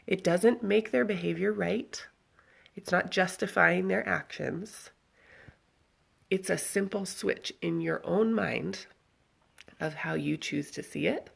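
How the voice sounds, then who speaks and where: A woman's voice: fairly low pitch, slow pace. A woman with a scratchy voice telling a story and giving reflective advice casually to followers on a handheld phone. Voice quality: scratchy, husky voice. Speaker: vlogger speaking to followers. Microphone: handheld phone at arm's length.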